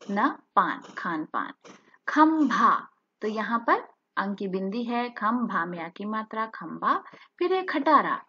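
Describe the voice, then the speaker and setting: A woman teaching a language lesson, spelling out words letter by letter in a slow, careful way. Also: medium pitch, sharp tone, breathy edge, muffled recording.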